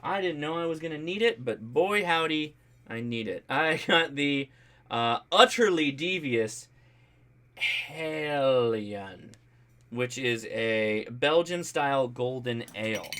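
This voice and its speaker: An American man with a bright, forceful voice at a middling pitch hosts a casual livestream. He talks in an animated, colloquial way, joking as he reads and answers comments from viewers. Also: slow pace. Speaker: host of a ham radio livestream.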